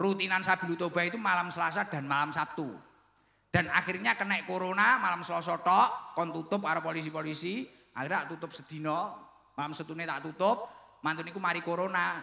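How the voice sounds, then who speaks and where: Over a quiet background, a man speaks at a fairly quick pace in a high pitch with ordinary pitch variation. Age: 20s. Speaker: Islamic preacher. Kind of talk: sermon. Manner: animated. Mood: humorous, relaxed. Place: stage. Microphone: handheld.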